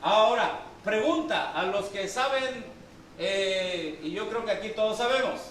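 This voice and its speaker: High-voiced preacher in a booming hall. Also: male voice, lively intonation, a little slow, a bit bright, a little hiss or hum. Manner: quizzes the congregation with questions. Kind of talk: sermon with Bible reading. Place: church hall. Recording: very echoey hall, from far off.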